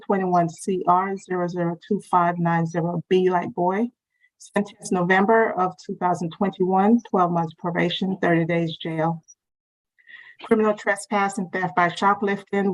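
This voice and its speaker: A woman's voice: lowish voice, poor audio. A woman court clerk reading a defendant's criminal history aloud, methodically spelling out case numbers.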